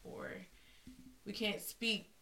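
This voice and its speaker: A woman's voice: drawn-out words, sharp tone. A woman with an African American accent talking casually in a group discussion as a podcast co-host.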